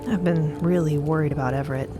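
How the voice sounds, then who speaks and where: A woman's voice: low-pitched, steady tone, fast, over loud music, lightly acted. A woman playing a friendly, caring crew member in an audio drama, speaking casually and a little hesitantly. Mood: worried, hesitant. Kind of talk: audio drama character acting.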